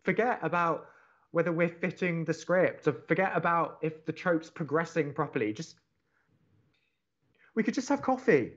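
A man playing an earnest, love-struck young college radio host in an audio drama, speaking in a deliberate, pleading way. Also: on the high side, highs cut off, natural voice. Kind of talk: naturalistic audio drama acting.

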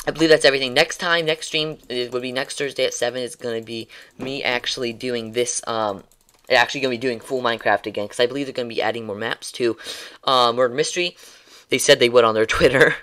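A man's voice: mid-range voice, quick pace, bright, forceful tone, clean tone. A man streaming games, signing off his stream in casual, rambling chat, tongue-tied, with many restarts and ums and small chuckles. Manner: chuckles while talking. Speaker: gaming streamer. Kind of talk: casual livestream sign-off chat.

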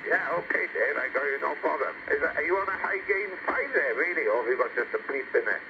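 A man's voice: a little high, animated, fast talker. A man chatting casually as a CB radio operator, heard through a radio transmission. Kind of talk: casual radio contact chat. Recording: dull CB radio with heavy static.

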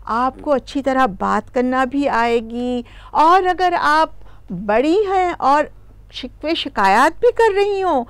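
A woman explaining a poem to children in an expressive storytelling manner, speaking directly to her young listeners. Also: sits high, dry recording. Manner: animated, warm-toned teaching, addresses children directly.

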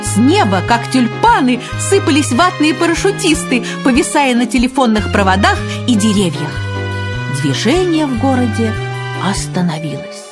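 A woman reads a children's fairy tale in a high voice with wide, swooping intonation. Her storytelling is expressive and dramatic, and music plays behind her. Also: moderate pace. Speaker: narrator.

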